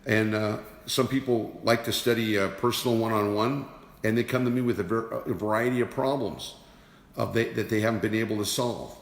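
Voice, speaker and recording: The long reverb of a roomy space surrounds a man giving a motivational teaching talk on energy awareness. He speaks briskly with a lowish, fairly even voice and emphatically repeats rhetorical questions.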